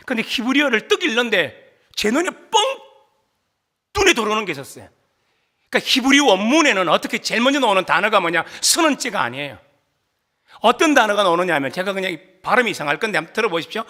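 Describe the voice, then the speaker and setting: A man preaching a sermon as pastor, animated, asking the congregation questions and leading them in reading, at times rising to shouts for emphasis. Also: high-pitched. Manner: asks the congregation questions and leads group reading.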